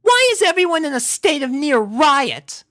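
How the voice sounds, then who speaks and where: A man acts out a young filly bully from a storybook, pitched high and sharp. The voice is haughty, demanding and suspicious, with big swoops in pitch. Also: sing-song, moderate pace, exaggerated voice. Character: pompous, suspicious young girl pony bully.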